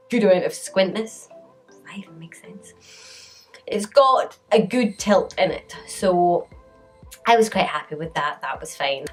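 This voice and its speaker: A woman's voice: on the low side, vocal fry. A woman in her late twenties telling a storytime vlog in a chatty way, often breaking into laughter. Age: late 20s. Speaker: vlogger.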